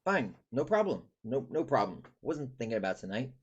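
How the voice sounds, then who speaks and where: A woman's voice: a bass voice, very animated, normal speed, breathy edge, dull audio, exaggerated voice. A woman playing a smitten, breezy best friend in a romantic comedy table read. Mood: eager, casual.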